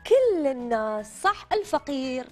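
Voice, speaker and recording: High, lively Gulf Arabic woman hosting. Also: a little slow, faint music behind. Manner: prompts children with repeated short questions and phrases. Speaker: children's TV show host. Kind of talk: children's quiz show presenting. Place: colourful indoor TV studio children's set.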